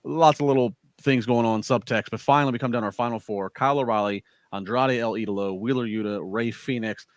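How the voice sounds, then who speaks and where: A man's voice: mid-range voice, steady tone, a little fast, hardly any pauses, no room sound, studio quality. A man hosting a casual wrestling podcast, rambling through a show recap with many fillers and restarts. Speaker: podcast host.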